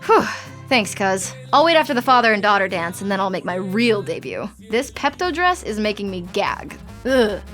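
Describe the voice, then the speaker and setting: A woman's voice: medium pitch, sing-song, normal speed, few pauses, a bit bright, soft background music. A woman playing a sardonic, rebellious teenage Latina girl in an audio drama. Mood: conspiratorial, disgusted. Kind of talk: audio fiction drama acting.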